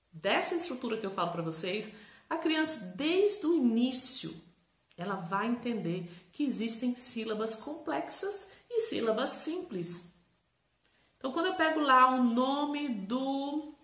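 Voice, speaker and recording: A woman psychopedagogue teaches in an educational explainer video, her animated, higher-pitched voice stretching syllables and spelling words letter by letter. She explains the subject like a patient teacher, and her voice echoes off a roomy space.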